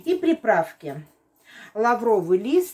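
A woman is speaking. Her pace is very slow. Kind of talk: cooking tutorial. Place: kitchen.

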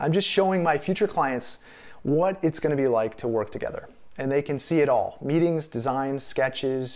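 A man with an American accent speaks at a moderate pace in a fairly high voice with ordinary pitch variation over a quiet background. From New York State, US. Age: 40s. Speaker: architect and course creator; course creator. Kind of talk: scripted narration. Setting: in his studio. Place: home room.

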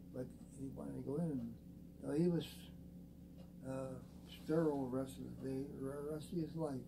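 Noticeable background noise sits under speech broken by long, frequent pauses. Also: man. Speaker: World War 2 veteran. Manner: rambling; halting. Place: kitchen. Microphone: camera far.

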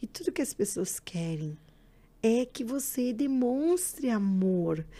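Very slow and somewhat breathy, a woman speaks with a dark, mellow tone. Her pitch swings very widely. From Rio Grande do Sul, Brazil. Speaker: mother sharing faith testimony; podcast guest. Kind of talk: testimony. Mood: earnest, emotional testimony. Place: studio. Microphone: studio mic.

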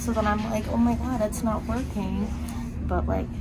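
Loud background noise fills the clip. A woman talks through it. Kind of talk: casual vlog chat. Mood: impatient, wry. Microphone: phone near.

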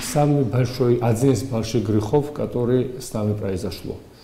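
In a Georgian accent, a man speaks at a fairly slow pace with ordinary pitch variation, light background noise and audible room echo. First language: Georgian (speaking Russian). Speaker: co-host; guest. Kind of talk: studio discussion on faith and history. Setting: studio. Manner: halting. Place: studio.

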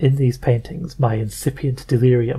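A man at a moderate pace, ordinary pitch variation, music in the background. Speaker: podcast narrator. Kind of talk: literary reading.

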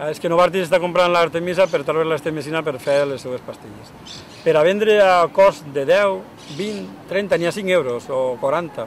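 Speaking fairly slowly in a high pitch for a man, he uses ordinary pitch variation, with a dry sound free of echo and light background noise. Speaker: aid volunteer in Africa. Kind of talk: interview testimony. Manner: halting. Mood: earnest, concerned. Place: open country.

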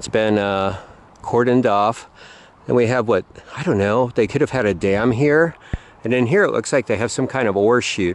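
At a fairly quick pace, an unremarkable speaking voice comes through with ordinary pitch variation and a dry sound with no echo. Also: man. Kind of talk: casual vlog commentary. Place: open country. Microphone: phone near.

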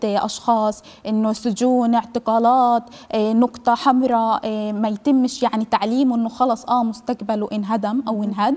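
Against a quiet background, a woman talks at a fairly slow pace in a fairly high voice with fairly even intonation. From Israel. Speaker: youth activist; guest. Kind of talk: TV panel discussion. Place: studio. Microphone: lapel.

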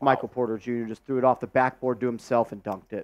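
A man with an American accent at a very fast pace, animated in tone. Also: quiet background. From Texas. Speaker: sports streamer. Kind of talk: live commentary. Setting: studio. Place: studio. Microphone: headset.

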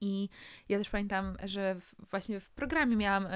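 A woman talks with fairly even intonation against a quiet background. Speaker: podcast host. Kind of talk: casual interview conversation. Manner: hesitant, many fillers. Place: studio. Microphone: studio mic.

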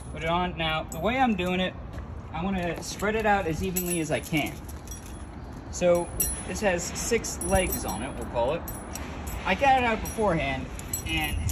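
Through noticeable background noise, a man with a high pitch and ordinary pitch variation talks at a moderate pace, leaving long, frequent pauses. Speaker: installer demonstrating product. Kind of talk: tutorial. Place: street.

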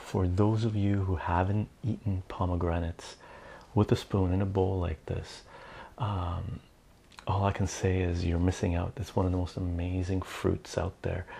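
In a dark, mellow tone, somewhat breathy, a man with a very deep, low pitch speaks at a moderate pace and fairly even intonation. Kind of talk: casual vlog chat. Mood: cheerful and relaxed. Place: home room. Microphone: webcam.

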